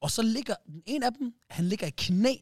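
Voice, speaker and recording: Male podcast host, lively storyteller, slangy, dry close mic. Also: very high-pitched, no echo. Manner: animated storyteller, many restarts, slang like "bro" and "wallah". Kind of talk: casual storytelling chat.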